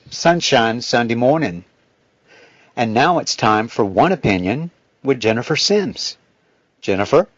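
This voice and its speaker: A man's voice: mid-range voice, dry recording, natural voice, poor audio. A man playing a composed local news anchor reading a scripted forecast in an audio drama.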